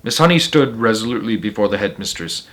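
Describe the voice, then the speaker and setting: Animated man reading a storybook aloud. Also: on the low side, fast. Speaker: storybook narrator. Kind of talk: read-aloud narration with informal asides.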